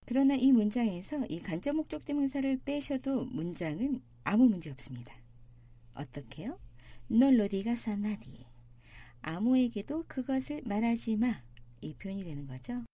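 A woman teaching a language lesson, explaining grammar and reading example sentences slowly and deliberately. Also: on the high side, big pitch swings, dark tone, dry recording. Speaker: Spanish teacher.

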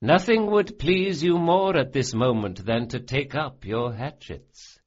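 A man's voice: medium pitch, measured pace, muffled recording, pitched above the performer's own voice, natural voice. A man voicing a smug, cruel male sorcerer who sneers and relishes every cruelty. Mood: gloating.

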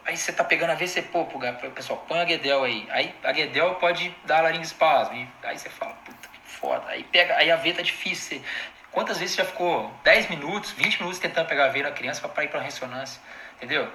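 Animated Brazilian man teaching on a live stream. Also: on the high side, roomy sound, a little hiss or hum, rough recording. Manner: informal and animated, full of slang and quick asides to the audience. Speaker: anesthesiologist giving a live online lecture.

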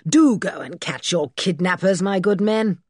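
A woman's voice: on the low side, animated, slightly rough, no echo, clean studio sound, pitched above the performer's own voice. A woman voicing a brusque, impatient middle-aged uncle who gives orders. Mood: commanding. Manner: brisk, commanding, impatient.

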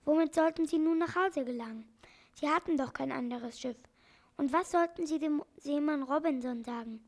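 A woman reading a children's story aloud, expressive and dramatic. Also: high voice, moderate pace. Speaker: narrator.

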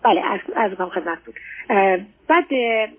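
A woman's voice: medium pitch, expressive, breathy edge. An older middle-aged woman with an Iranian Persian accent, hesitant and politely deferential, telling her personal story as a caller on an advice line. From Iran. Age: 50s or older. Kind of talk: personal account on a radio advice call. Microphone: phone call to a radio show. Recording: tinny narrow-band phone line.

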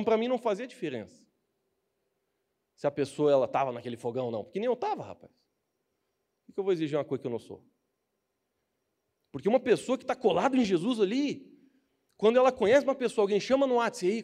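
Young man, brazilian portuguese accent, high voice, casual joking sermon, acts out quotes. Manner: animated and joking, acting out quoted people. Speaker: preacher.

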